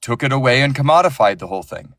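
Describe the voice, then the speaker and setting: A man's voice: mid-range voice, animated, fast, a bit bright. A man who narrates audiobooks, talking passionately and with strong opinions in a casual interview, often restarting his sentences.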